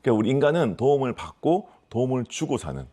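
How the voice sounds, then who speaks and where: A man's voice: mid-range voice, big pitch swings, quick pace, warm tone. A man with a regional Korean dialect explaining life lessons conversationally as an author, emphatic and full of rhetorical questions. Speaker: author giving life advice.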